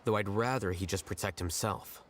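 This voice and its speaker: A man's voice: fairly low pitch, normal speed, slight background noise, close to an everyday voice. An actor playing a cool, blunt young male scholar who speaks in a detached, articulate way in an anime video game. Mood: aloof, analytical. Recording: background music under game dialogue.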